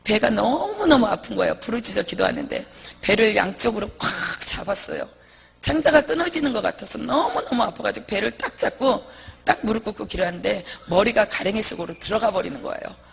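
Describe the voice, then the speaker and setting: A woman's voice: medium pitch, sing-song, fairly quick, vocal fry, slightly rough. A woman minister giving an earnest, vivid personal testimony, reliving her pleading prayers as she tells the story.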